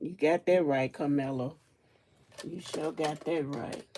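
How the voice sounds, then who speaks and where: A woman is speaking. She has a Southern US accent. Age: 60s. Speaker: crafter livestreamer. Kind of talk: casual livestream chat while crafting. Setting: live stream.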